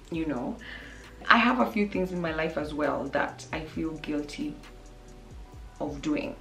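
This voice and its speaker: A young woman hosting an advice vlog, talking candidly to camera with a slightly hoarse voice, often restarting her sentences. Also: sits low, rough recording. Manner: chatty and candid, with frequent restarts and fillers. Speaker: YouTube advice host. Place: small room with a painting and plants.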